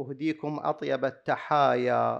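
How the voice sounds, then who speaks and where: Very slow speech from a man, set against a quiet background. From Iraq, Karbala; Iraq. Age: 40s. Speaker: religious researcher. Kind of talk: conference paper presentation. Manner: formal. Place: hall. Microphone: podium.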